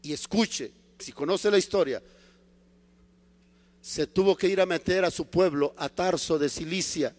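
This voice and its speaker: High-voiced pastor preaching. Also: male voice, measured pace, long pauses. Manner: dramatic preaching, dropping to quiet low emphasis. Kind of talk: sermon. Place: church. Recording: long church reverb.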